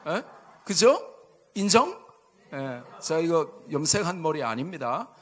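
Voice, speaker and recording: A man's voice: a little high, slow pace. A man in his fifties with a Busan accent, a pastor telling a funny story in a sermon and drawing replies from the congregation. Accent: Busan Gyeongsang dialect. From Busan, South Korea. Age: 50s. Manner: animated, jokey, asks the congregation for replies. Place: church sanctuary.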